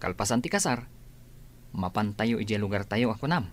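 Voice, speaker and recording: A man's voice: fairly low pitch, lively intonation, normal speed, close to an everyday voice. An actor playing Alex, a young man who is the groom's friend, in a radio drama.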